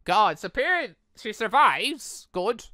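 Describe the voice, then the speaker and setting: A host reading a visual novel aloud with chatty commentary and quick reactions. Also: mid-range voice, sing-song, bright, forceful tone, dry recording, clean studio sound. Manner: chatty, reacts aloud and laughs at own slips. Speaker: let's-play host.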